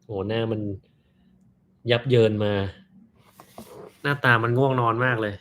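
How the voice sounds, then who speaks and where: A man hosting a casual live Q&A, reading out viewers' questions and answering them in a relaxed way, thinking aloud with fillers. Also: mid-range voice, a little slow.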